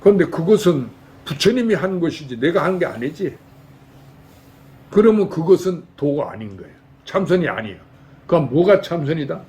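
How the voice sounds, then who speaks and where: A man's voice: a little high, big pitch swings, normal speed, mellow, slight background noise. An older man from Jeolla, a Buddhist monk giving a folksy dharma talk in a temple hall and quizzing his lay audience with rhetorical questions. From Jeolla, South Korea.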